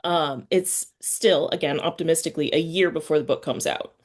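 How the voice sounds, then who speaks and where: A woman's voice: sits low, moderate pace. A woman hosting a casual chat, talking informally in a rambling way and often interrupting herself. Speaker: podcast host, interviewer.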